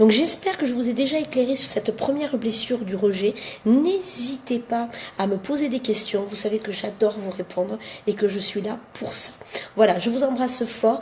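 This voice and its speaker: Putting on a character voice, a woman sounds raspy and hoarse at a fairly high pitch and moderate pace, over clear background noise. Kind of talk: warm, friendly, advice-giving.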